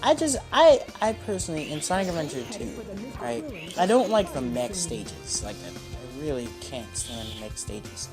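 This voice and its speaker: Young male let's play host, casual, rambling, informal, clear game music behind. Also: on the high side, big pitch swings, moderate pace. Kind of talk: casual gameplay commentary.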